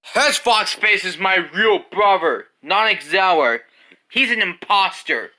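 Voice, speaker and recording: An actor playing a defiant, determined young hedgehog hero with an earnest, declamatory delivery in fan cartoon cutscenes. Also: male voice, high-pitched, expressive, a little slow, sharp tone, heavily acted, low-quality recording.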